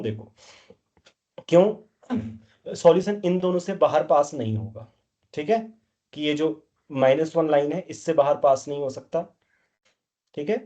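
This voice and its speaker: In a classroom lecture, a man teaches math, scolding his students and quizzing them again and again as he goes. His voice is high-pitched with a dark tone, and the sound is lo-fi.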